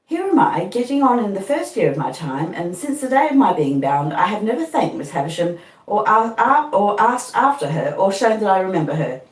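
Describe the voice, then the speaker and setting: A woman's voice: mid-range voice, sing-song, fairly quick, close to an everyday voice. A woman voicing an eager, earnest young male apprentice in an audiobook. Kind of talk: audiobook reading. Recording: roomy, distant mic.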